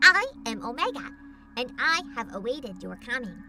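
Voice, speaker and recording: A female-sounding, robotic put-on character voice with a high pitch speaks at a moderate pace over clear background noise. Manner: playful, putting on a voice.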